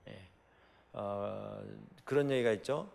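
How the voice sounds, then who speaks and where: A man's voice: on the low side, takes it slowly, vocal fry, darkish tone. A middle-aged Korean man from Chungcheong preaching a sermon as pastor, telling stories with many fillers and rhetorical questions. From South Korea. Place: church sanctuary. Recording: hall reverb.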